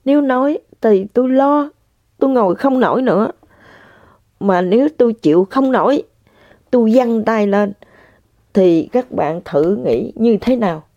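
Older woman, dry close voice, unhurried heartfelt testimony. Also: on the high side, mellow, no echo. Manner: earnest, addresses listeners directly, repeats herself. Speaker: spiritual practitioner sharing testimony. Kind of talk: emotional personal testimony. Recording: dull lo-fi sound.

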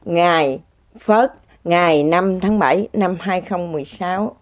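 A woman's voice: fairly low pitch, a little slow. A woman tells her personal story in casual spoken testimony. She talks in an exclamatory way and laughs often. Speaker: speaker sharing a personal story.

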